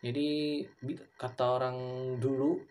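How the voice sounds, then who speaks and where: A man's voice: mid-range voice, little pitch movement, a little slow, darkish tone. A young adult man with an Indonesian accent giving a casual recorded lesson, answering students' questions and moving between English and Indonesian with plenty of fillers. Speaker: teacher.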